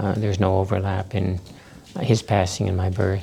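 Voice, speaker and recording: Against noticeable background noise, a man with a fairly low pitch speaks in a flat monotone at a moderate pace. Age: 70s. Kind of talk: interview.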